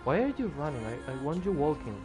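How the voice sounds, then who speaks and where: A man's voice: a little high, sing-song, quick pace. A tired man streaming a game, losing his voice and rambling as he plays, with faint music behind him. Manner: rambling, restarts when moved. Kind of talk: casual gameplay commentary.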